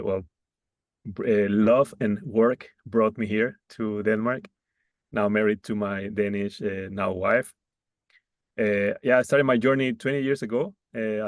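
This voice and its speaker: A man from Ecuador in his forties, joining a panel over a video call. His voice sits low and sounds close and dry, and he talks in a measured way with plenty of pauses and "uh"s. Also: dry recording. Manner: measured, with frequent hesitations. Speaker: head of engineering, panel guest. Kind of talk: video call roundtable introduction.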